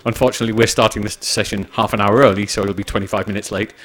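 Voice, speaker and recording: Man chairing a conference session. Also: lowish voice. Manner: relaxed, joking, measured. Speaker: session moderator.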